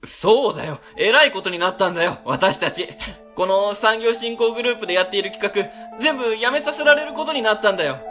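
A man playing a flustered, excitable ward office worker in a radio drama. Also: high voice, fairly quick, soft background music. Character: flustered, excitable male civil servant. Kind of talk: amateur web radio drama acting.

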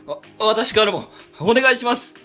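A man performs a good-hearted male team leader, easily excited and expressive. The voice is highish and bright with big swings in intonation, in web radio play style over faint music. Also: normal speed. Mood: startled, eager. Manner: eager, expressive. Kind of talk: amateur web radio drama acting.

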